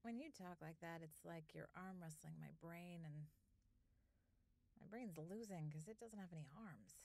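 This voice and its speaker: An actress playing a dry, exasperated wasteland woman with deadpan delivery in a comedic audio drama. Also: fairly low pitch, normal speed, gravelly.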